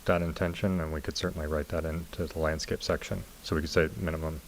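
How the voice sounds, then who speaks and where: A man with an extremely deep voice presents as a planning consultant. He explains things informally, in the setting of a public council meeting. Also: little pitch movement, fast talker, creaky, a little hiss or hum. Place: city council meeting room.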